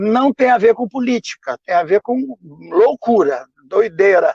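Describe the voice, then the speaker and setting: A man with a high pitch speaks using lively intonation. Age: 60s. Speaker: pastor. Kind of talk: video call discussion. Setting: online live stream.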